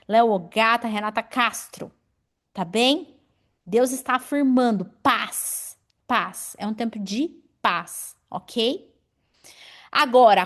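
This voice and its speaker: A woman in her forties preaches to her congregation. She speaks in an animated, personal way and calls on listeners by name. Her voice sits fairly high. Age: 40s. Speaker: pastor. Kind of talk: sermon.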